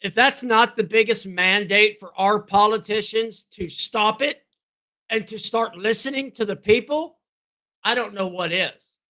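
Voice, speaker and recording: A man talks casually to his livestream viewers in a high, bright, tense voice. He is hoarse and keeps clearing his throat. His talk rambles and repeats, recorded on a desk microphone. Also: measured pace. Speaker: livestream host.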